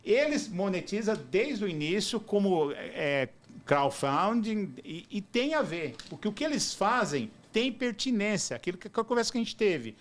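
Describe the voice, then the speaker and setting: A man's voice: high voice, moderate pace. A man with a Brazilian Portuguese accent chatting about podcasts in a bar. He talks with enthusiasm and often hunts for the right word. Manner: animated, enthusiastic, searches for words. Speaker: podcast guest, marketing professional. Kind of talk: casual chat.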